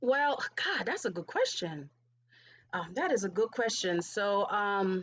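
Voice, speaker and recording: An unremarkable speaking voice from a woman with an American accent, medium pitch, lively intonation and a fairly slow pace. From Jamaica, then New York. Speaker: visual effects compositor. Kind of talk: interview.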